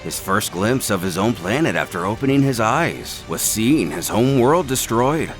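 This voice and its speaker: A man's voice: lowish voice, expressive, normal speed. A man narrating a scripted story in a dramatic, theatrical and emphatic way, like a host telling an epic tale. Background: background music.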